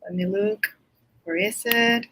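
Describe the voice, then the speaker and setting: A woman's voice: medium pitch, slow pace, background noise. A woman assistant professor from Colombia presenting on an online panel, a little flustered, with many "uh" fillers.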